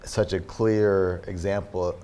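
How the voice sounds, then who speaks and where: A man being interviewed in a studio as an artist, explaining his work in thoughtful, halting sentences. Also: deep voice, fairly even intonation, mellow. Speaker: artist guest.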